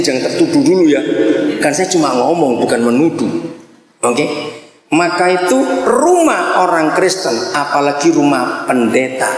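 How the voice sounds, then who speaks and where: A middle-aged male pastor preaching a sermon in a lively way, laughing and asking the congregation rhetorical questions. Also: mid-range voice. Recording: echoey hall, long reverb.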